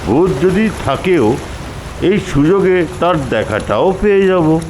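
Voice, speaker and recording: An older man reading a Bengali ghost story aloud in first person, expressive and unhurried. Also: fairly high pitch, roomy sound, long reverb tail, rough recording. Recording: background noise.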